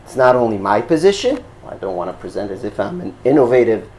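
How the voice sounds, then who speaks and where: Halting rabbi with an Israeli accent. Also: male voice, lowish voice, sing-song, a little mellow, a little hiss or hum. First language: Hebrew. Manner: halting, with frequent fillers and checks for understanding. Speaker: rabbi teaching a class. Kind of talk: explanatory lecture.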